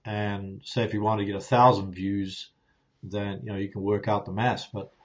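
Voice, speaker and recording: A New Zealand man with a lowish voice rambles at a moderate pace through viewer questions as a YouTuber doing a casual live Q&A, relaxed and full of fillers and restarts. He's in a home studio with a ring light, softboxes and plants, recorded on a phone with a clip-on lapel mic, and the audio is dull.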